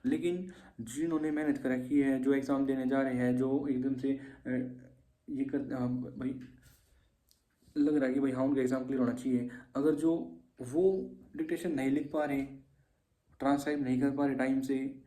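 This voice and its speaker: Warm in tone and mid-range in pitch, this man's voice echoes as he runs an informal exam-tips session for shorthand students. He tends to repeat himself and habitually tacks on "theek hai."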